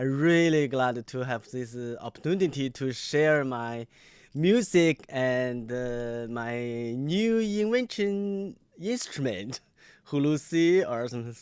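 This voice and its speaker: Speaking at a very slow pace with a Chinese accent, a man uses lively intonation. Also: medium pitch for a man. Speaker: award honoree, musician. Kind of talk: acceptance speech. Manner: halting.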